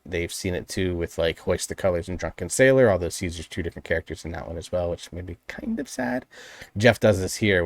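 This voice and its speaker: Man, low voice, earnest music reaction host, appreciative, detailed, dry close sound. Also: dry recording. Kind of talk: casual spoken music analysis.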